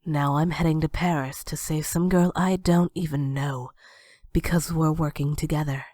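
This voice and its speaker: A woman's voice: deep voice, fairly even intonation, moderate pace, mellow, dry recording, clean studio sound. A woman playing a cynical, world-weary young former villain turned hero, wry and cool, in an amateur audio drama. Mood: wistful, jaded.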